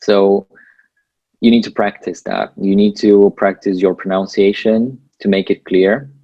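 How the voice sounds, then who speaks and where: Man, Bulgarian accent, deep voice, monotone delivery, earnest advice, laughs between points. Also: unhurried, slightly rough, no room sound, highs cut off. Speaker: guest, PhD student. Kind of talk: casual interview chat.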